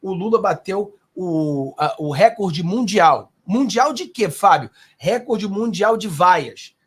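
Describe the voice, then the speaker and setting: Husky Brazilian man mocking on his channel. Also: high-pitched, slow pace. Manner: animated, sarcastic, talks straight to viewers. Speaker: host. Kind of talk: political commentary.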